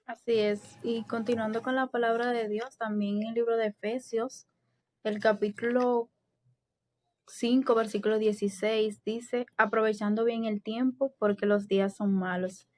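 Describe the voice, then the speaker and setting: A woman's voice: a little high, little pitch movement, moderate pace. A woman from the Dominican Republic with a Dominican Spanish accent, a co-host on a Christian podcast who speaks in a composed, earnest way. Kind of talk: casual Christian podcast chat.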